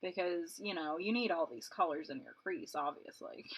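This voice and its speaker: A woman's voice: lowish voice, normal speed, husky, low-quality recording. A woman in her late twenties, a beauty vlogger chatting casually and rambling while she does her makeup, laughing often. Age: 20s.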